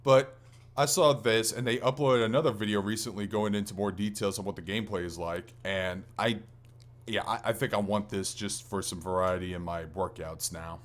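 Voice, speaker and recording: Low-pitched man chatting casually. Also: fairly even intonation, moderate pace. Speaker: podcast co-host. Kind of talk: casual chat about video games.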